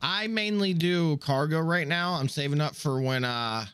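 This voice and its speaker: Man, young, game streamer, casual, loud, clear smooth tone, headset mic. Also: on the high side, moderate pace, dry recording. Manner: loud, talks over friends on voice chat. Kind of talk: casual gaming stream chat. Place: home gaming room.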